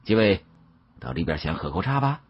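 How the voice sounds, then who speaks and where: A man's voice: deep voice, big pitch swings, brisk, breathy edge, dry recording, lo-fi sound, exaggerated voice. A man voicing a wily middle-aged shopkeeper in an audiobook, fawning and evasive, with hesitant, oily politeness.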